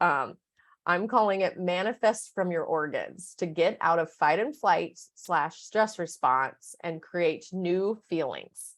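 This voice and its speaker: With an animated tone, a woman talks at a fairly low pitch with ordinary pitch variation. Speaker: nutrition coach. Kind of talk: webinar presentation. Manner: fast.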